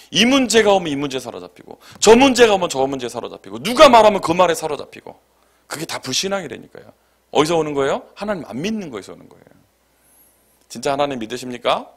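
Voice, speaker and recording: A man's voice: on the high side, very animated, fast. A man preaching a Friday night sermon as pastor, telling a personal story in a chatty, conversational way. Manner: conversational storytelling with acted quotes and laughter. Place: church sanctuary.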